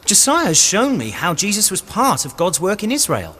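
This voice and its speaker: Arie, echoing genial rebel. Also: male voice, sits high, wildly swooping pitch, moderate pace, bright, forceful tone, husky, heavily acted. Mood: earnest conviction. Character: genial, committed male rebel fighter, old friend. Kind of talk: dramatised audio drama dialogue. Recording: long echo, faint ambient noise.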